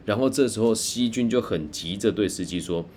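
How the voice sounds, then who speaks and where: Low-voiced Taiwanese man telling a story. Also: darkish tone, slight background noise. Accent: Taiwanese Mandarin. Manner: earnest, tense retelling with drawn-out particles. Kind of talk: first-person storytelling.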